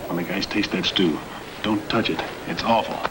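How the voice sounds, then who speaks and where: A man's voice: deep voice, normal speed, natural voice. Guy acting tough scheming convict, prison inmate slang, old 50s movie, real noisy soundtrack. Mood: conspiratorial, urgent. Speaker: actor in a prison drama. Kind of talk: 1950s black-and-white screen drama acting.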